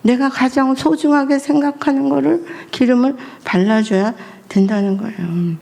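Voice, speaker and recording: Gravelly-voiced woman preaching. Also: sits high, moderate pace. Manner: lively, asks the congregation questions. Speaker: missionary and family counselor. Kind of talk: sermon at a Friday prayer meeting.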